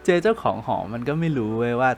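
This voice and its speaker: A man's voice: mid-range voice, big pitch swings, quick pace, slight background noise. A man casually telling a ghost story for a podcast, chatting like a friend with loose slang.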